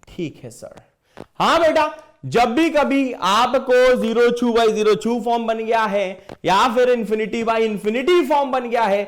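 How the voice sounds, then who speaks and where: A middle-aged man teaching maths in an online exam-prep lecture, playful and jokey, calling his students "beta". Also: high voice.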